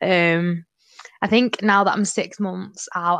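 A woman speaks with a Mancunian accent, her pitch fairly low and her intonation fairly even. The sound is dry and close, with no echo. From northern England, Manchester. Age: 20s. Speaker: podcast co-host. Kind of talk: casual chat.

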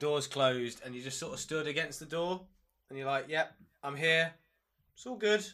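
A man with a British accent and a fairly high, bright, sharp voice, lively intonation, big swings in loudness and a moderate pace. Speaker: role-playing game player. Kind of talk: casual chat. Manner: laughs often.

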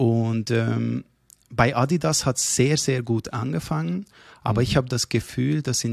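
A man of medium pitch with ordinary pitch variation speaks at a very slow pace, the sound dry and close with no echo. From Switzerland. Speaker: risk manager and NFT enthusiast. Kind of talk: casual interview chat.

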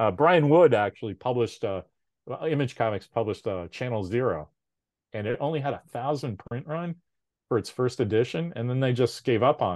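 Against a quiet background, a man with an American accent and a plain, everyday voice talks at a medium pitch and a fairly quick pace, his intonation lively. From United States. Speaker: comics writer and publisher. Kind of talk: casual interview.

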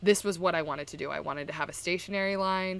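A woman's fairly low voice with an American accent, bright, sharp and animated in tone, with ordinary pitch variation, on a very clean recording with a silent background. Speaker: podcast host, creative business owner. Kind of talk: casual chat. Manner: animated, laughs often.

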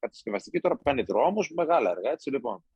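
A man's very fast speech, fairly high in pitch, with very wide pitch swings and vocal fry. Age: 40s. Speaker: fitness educator and business owner. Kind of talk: casual interview chat.

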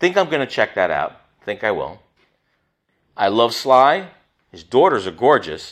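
The voice has vocal fry and very wide pitch swings at a moderate pace, broken by long, frequent pauses. The background is quiet. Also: man, medium pitch for a man. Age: 50s. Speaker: podcast host. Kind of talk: angry rant; casual monologue. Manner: irritable, sarcastic, venting, with exasperated emphasis.

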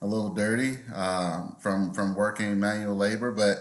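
In an Alabama accent, a man talks at a fairly slow pace with a fairly low pitch and monotone, flat intonation. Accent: Southern US (Alabama). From US South, North Alabama. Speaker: business owner and retired navy officer. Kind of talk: casual interview.

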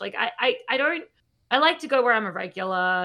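A woman talks at a fairly quick pace. Her tone is bright and sharp. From Australia. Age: 30s. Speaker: whiskey bar industry guest. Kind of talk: casual chat. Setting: video call. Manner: animated.

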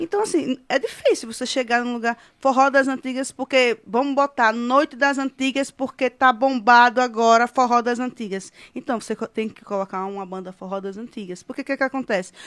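A high-pitched woman's voice with ordinary pitch variation, dry and close with no echo, on a very clean recording with a silent background. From Aracaju, Sergipe, Brazil. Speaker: singer in a forró duo. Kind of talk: casual podcast interview.

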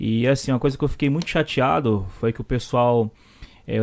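An unremarkable speaking voice belongs to a man talking at a fairly quick pace. His medium pitch shows ordinary variation. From Brazil. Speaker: guest co-host. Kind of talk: casual chat. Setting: live video stream.

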